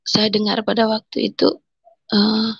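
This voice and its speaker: Husky emotional woman telling her testimony. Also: mid-range voice, completely flat delivery, dry recording, highs cut off. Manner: emotional, halting storytelling with quoted inner speech. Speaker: testimony speaker. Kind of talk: personal conversion testimony.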